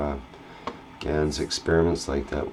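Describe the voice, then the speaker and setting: Background noise is clearly noticeable. Over it, a man talks. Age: 60s. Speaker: online group host. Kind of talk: casual chat.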